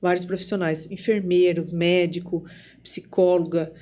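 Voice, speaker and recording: A woman with a Brazilian Portuguese accent, a psychologist speaking as a podcast guest and telling her story in a casual, lively way, acting out remembered conversations. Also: lowish voice, unhurried. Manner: lively storyteller who acts out remembered dialogue. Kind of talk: casual spoken testimony.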